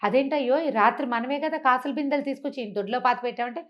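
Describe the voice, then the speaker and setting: Woman voicing a quick, naive, indignant peasant wife. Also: high-pitched, highs cut off, close to an everyday voice. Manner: scolding, complaining, plain-spoken.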